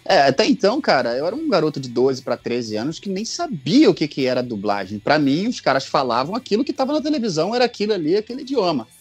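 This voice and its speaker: A Brazilian man in his forties chatting casually as a guest, telling personal stories in an animated, jokey, colloquial way. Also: on the high side, fast talker, hardly any pauses, husky. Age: 40s. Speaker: podcast guest.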